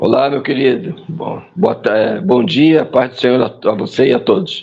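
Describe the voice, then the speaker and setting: Lively in intonation, a man with a plain, everyday voice and a fairly high pitch talks at a fairly slow pace. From Brazil, São Paulo state and Rio de Janeiro. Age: 60s. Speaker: former adventist, ride-share driver, ex-army musician. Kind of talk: testimony.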